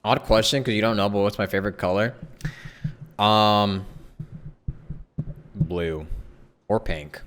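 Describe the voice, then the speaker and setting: A man's voice: on the low side, slow pace, pauses often, fairly bright tone. A man giving casual, rambling live commentary as he streams a game. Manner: rambling, offhand. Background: faint game music.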